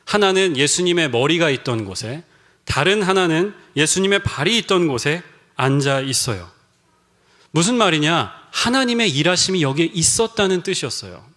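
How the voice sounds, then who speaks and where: A man's voice: high-pitched, sharp tone. A middle-aged man preaching a Sunday sermon as pastor, telling stories and acting out the voices in them. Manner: storytelling, acts out quoted voices. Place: church sanctuary.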